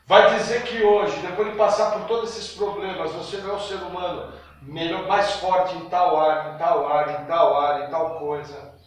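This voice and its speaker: A man leads a church Bible class, chatting and quizzing the room. His voice is high and lands from far off, with the hall ringing strongly around every word. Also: fairly even intonation, normal speed, few pauses. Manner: conversational, asks the class questions, acts out little scenes. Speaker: Bible school teacher and preacher. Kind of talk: Sunday school teaching with class discussion. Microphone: distant room mic.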